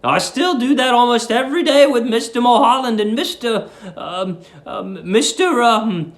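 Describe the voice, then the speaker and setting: Man putting on a high, cooing elderly landlady. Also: moderate pace. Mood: coy, gentle. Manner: polite, cooing, theatrical. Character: sweet, eerie elderly English landlady.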